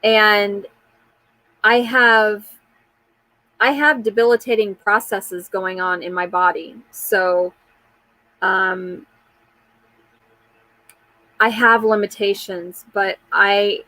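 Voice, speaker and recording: A woman's voice: medium pitch, steady tone, takes it slowly, long pauses, sharp tone, dry recording, rough recording. A woman in her forties hosting a casual live chat, talking candidly in a rambling way and answering viewer comments, with frequent fillers and restarts. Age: 40s.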